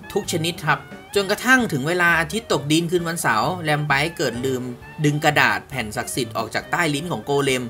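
A man's voice: on the high side, bright, forceful tone. A man hosting a storytelling channel, telling myths in a chatty way and speaking straight to his viewers with casual asides.

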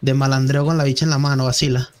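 A man's voice: mid-range voice, level tone, quick pace, a little hiss or hum. A man with a Chilean accent, chatting playfully in slang during a role-play game. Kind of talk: casual role-play chat.

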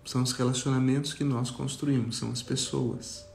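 A Brazilian man leading a guided meditation talk for a group, speaking reflectively with long pauses. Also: medium pitch, level tone, vocal fry, a little mellow, a little hiss or hum. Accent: Brazilian Portuguese. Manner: slow, pausing, reflective. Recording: roomy echo, faint music behind.

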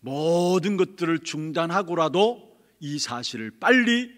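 A male pastor preaching emphatically in a church, pausing for his interpreter. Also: a little high, expressive, fairly bright tone. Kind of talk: sermon with live interpretation. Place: church sanctuary. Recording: long church reverb.

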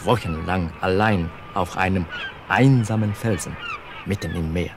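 An actor playing a loyal, shrewd sailor who talks in a gruff, plain-spoken, wry way in a radio play. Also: male voice, low-pitched, a little slow, background noise.

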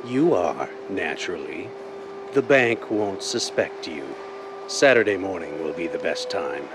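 Man playing a deep-voiced, menacing blind crime boss. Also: expressive. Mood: cold, commanding. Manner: deliberate, commanding, theatrical. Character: blind, cold, menacing male crime mastermind called the Owl. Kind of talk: 1930s radio drama acting. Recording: noisy vintage-style radio drama recording.

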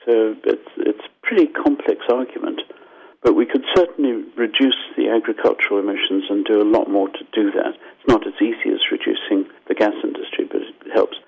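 A man's voice: fairly low pitch, brisk, gravelly. Older man from Zimbabwe on a dull phone line. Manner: thoughtful, explanatory, restarts and lively asides. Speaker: scientist guest. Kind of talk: radio interview answers.

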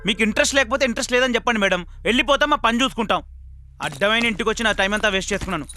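Actor doing a desperate comic flat salesman, high voice, wheedling and pleading, film score loud behind. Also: rapid-fire, over music, close to an everyday voice. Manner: wheedling, pleading, then ranting in asides. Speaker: real estate salesman.

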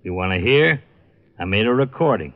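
An American man playing a gruff, world-weary police lieutenant in a 1950s radio drama. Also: fairly low pitch, expressive, moderate pace. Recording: dull, noisy old radio recording with clicks.

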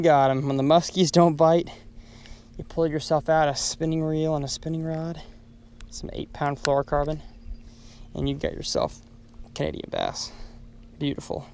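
A man's voice: a little high, a little mellow, smooth. A young man filming a casual fishing vlog from a boat on a lake, upbeat and chatty. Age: young adult. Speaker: fishing vlogger. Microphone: chest-mounted camera.

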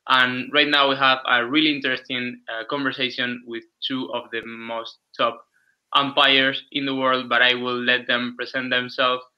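A man's voice: mid-range voice, little pitch movement, moderate pace, pushed and bright, highs cut off. A man hosting an online panel, asking questions steadily with some fillers. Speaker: host.

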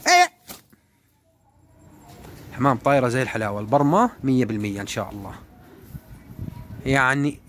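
A man, giving a casual, animated running commentary while flying his pigeons outdoors. He repeats words and calls out to the birds. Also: medium pitch, a little hiss or hum. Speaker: pigeon keeper vlogger.

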